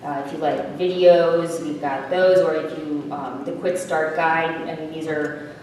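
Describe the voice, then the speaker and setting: A woman's voice: sits low, steady tone, measured pace. Woman, conference presenter, casual, filler-heavy, mic far away, faint background hum. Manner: casual, hesitant, many fillers and restarts. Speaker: software product presenter. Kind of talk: conference presentation with audience questions. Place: conference room. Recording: echoey room, mic far off, faint noise.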